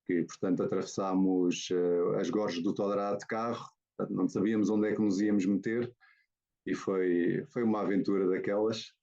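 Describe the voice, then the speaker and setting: A man's voice: on the low side, dark tone. A man from Portugal with a European Portuguese accent, presenting his photography over a video call in a hesitant way, with many fillers and restarts. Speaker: guest photographer. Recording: dull lo-fi video call audio.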